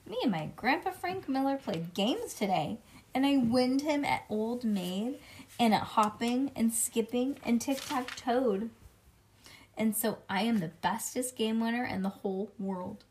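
Woman acting a little kindergarten girl, high-pitched, very animated, bragging, dramatic storybook delivery. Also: a little slow, slight background noise, poor audio. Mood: bragging, gleeful. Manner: childish grammar, bragging, dramatic emphasis. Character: boastful, excitable kindergarten girl narrating her own day. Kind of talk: animated storybook read-aloud.

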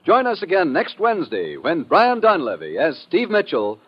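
A man's voice: fairly high pitch, wildly swooping pitch, moderate pace, slightly rough. An American man reading scripted announcements as the announcer of a 1950s radio show. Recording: dull vintage radio recording.

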